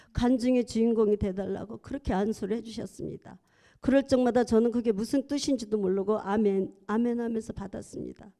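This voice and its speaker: A woman's voice: mid-range voice, dark tone. A middle-aged woman, a church deaconess, giving a heartfelt testimony in a church sanctuary, earnest and at times fervent.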